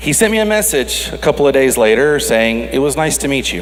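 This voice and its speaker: With an American accent, a man speaks at a fairly high pitch. His pitch swings very wide, and there is noticeable background noise. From Mississippi, US South. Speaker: friend giving eulogy. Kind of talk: eulogy speech.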